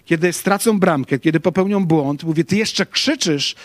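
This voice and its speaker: A middle-aged male pastor lectures with a higher-pitched voice, turning his lesson into lively stories and acting out voices from them. The sound is dry and close, with no room echo. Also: moderate pace. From Poland. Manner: animated storytelling, acts out quoted shouts. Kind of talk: lecture with personal anecdotes.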